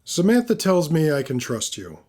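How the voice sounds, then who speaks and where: A man's voice: on the high side, big pitch swings, normal speed, a little mellow, voice pushed up. A man voicing a smug, guarded, wealthy businessman with a clipped, patronizing manner in an audio fiction story. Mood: guarded, terse.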